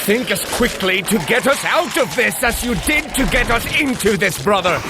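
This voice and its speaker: High-pitched blustering thunder god warrior. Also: male voice, expressive, moderate pace. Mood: battle bravado. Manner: declamatory, archaic heroic phrasing. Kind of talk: audio adventure drama acting. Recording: loud music under the voice.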